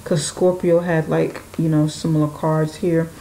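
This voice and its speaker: A woman's voice: deep voice, level tone, unhurried, warm tone, slight background noise, low-quality recording. A woman giving an intuitive tarot reading, musing aloud and speaking to spirit and the viewer. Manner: musing, talks to spirit and viewer, laughs often. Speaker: tarot reader.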